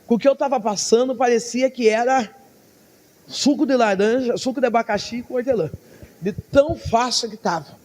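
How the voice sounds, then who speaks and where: A woman pastor preaching a sermon, telling her story with lively, acted-out dialogue and frequent laughs. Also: on the high side, normal speed, big-room sound. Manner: laughs often between phrases.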